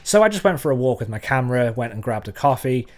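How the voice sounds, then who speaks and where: A man's voice: medium pitch, very animated, quick pace. A man from North Wales, a photographer talking to his viewers in a thoughtful, conversational way. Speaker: photographer and channel host. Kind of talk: reflective talk to camera.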